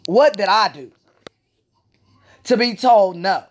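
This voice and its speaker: A woman's voice: medium pitch, lively intonation, slow pace. Frustrated woman venting. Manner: frustrated, repetitive, profane ranting. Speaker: Special Olympics athlete. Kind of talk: venting vlog monologue.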